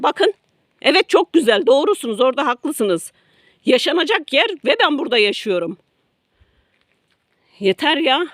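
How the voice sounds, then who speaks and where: A middle-aged woman vlogs to her followers from a garden beside a road near the woods, her high, slightly bright voice captured with studio quality and no echo. She speaks emotionally, starting out indignant before turning apologetic, and repeats herself often.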